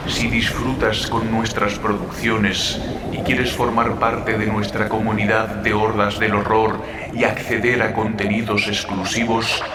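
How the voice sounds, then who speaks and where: A man's voice: fairly low pitch, little pitch movement, measured pace, very noisy. A man delivering a scripted promotional announcement for a horror channel. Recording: echoey voice under loud music.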